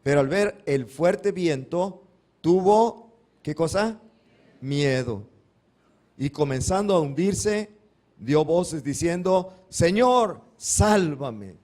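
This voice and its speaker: A man's voice: fairly high pitch, lively intonation, takes it slowly, pauses often, dark tone. A male pastor giving a Sunday sermon, posing questions to the congregation and answering them himself, acting out the cries of the Bible figures. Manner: acts out biblical cries dramatically.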